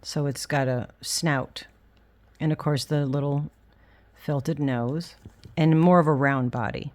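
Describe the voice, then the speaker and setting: Casting: female craft vlogger, deep register, whistling sibilants, candid and self-deprecating, loose chatty delivery. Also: steady tone, slow, a little mellow. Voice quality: whistling s through the teeth. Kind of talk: casual rambling show-and-tell.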